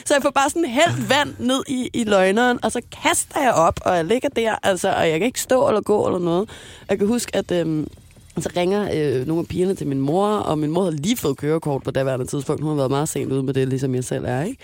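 A young woman co-hosting a radio show, telling an embarrassing story in an animated, laughing way. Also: on the low side, dry recording. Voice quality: lively, animated, laughs a lot. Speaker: radio co-host. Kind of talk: casual storytelling chat.

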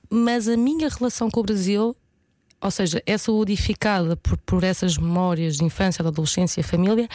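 Brief: actress in her 30s, European Portuguese accent, pensive and hesitant, middle pitch, dry close mic. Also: a little mellow, no room sound. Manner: thoughtful, hesitant, many fillers and restarts. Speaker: actress, interview guest. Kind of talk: reflective casual interview talk.

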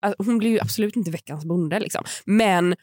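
A slightly tipsy woman co-hosting a casual podcast chat, animated and quick to agree. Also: mid-range voice, no echo, clean studio sound. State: a little tipsy. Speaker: podcast co-host. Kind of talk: casual chat about a reality show.

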